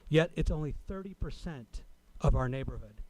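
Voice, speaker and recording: A man speaking as a resident at a public meeting, delivering a prepared comment in a formal, deliberate way. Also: on the high side, lively intonation, darkish tone, low-quality recording. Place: city council chamber.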